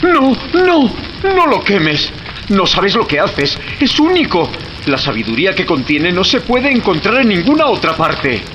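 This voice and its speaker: Desperate occult student, high wildly swooping voice, imploring, audio horror drama, noisy rain-like backdrop. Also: male voice, wildly swooping pitch, unhurried, muffled recording, exaggerated voice. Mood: alarmed, pleading. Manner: frantic, imploring. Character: desperate, pleading student of sinister occult secrets.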